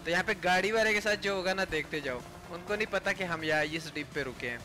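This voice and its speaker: A gaming video creator delivers casual gameplay commentary in a voice-over, speaking a little fast in a high-pitched voice over a bed of background music.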